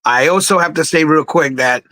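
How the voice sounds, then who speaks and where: A man talks casually as an interview guest. His voice is bright and forceful, a little high, and recorded close and dry. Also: moderate pace, no echo. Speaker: guest musician. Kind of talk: casual live interview chat.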